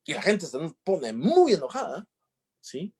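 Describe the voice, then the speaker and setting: Man, lecturer, husky voice, animated pitch, jokey anecdotes. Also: measured pace. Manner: jokey storyteller, acts out dialogues. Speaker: lecturer on emotional intelligence. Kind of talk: conference talk with anecdotes.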